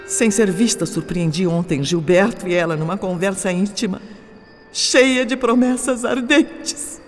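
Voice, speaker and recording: A woman playing a lovestruck young woman telling her story, slow and echoing. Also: mid-range voice, natural voice. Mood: hurt. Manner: wistful, emotional, shifting between joy and hurt. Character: young woman in love, later betrayed by her sister. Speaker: radio drama narrator character. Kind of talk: first-person radio drama monologue. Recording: reverberant studio with music bed.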